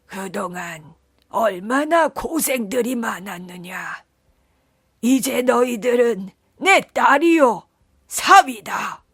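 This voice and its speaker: Stately old storybook king, loud and commanding, put on by a woman narrator. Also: on the high side, animated, takes it slowly, husky, dry recording, studio quality, heavily acted. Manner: stately archaic royal speech. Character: stern old king of an ancient kingdom.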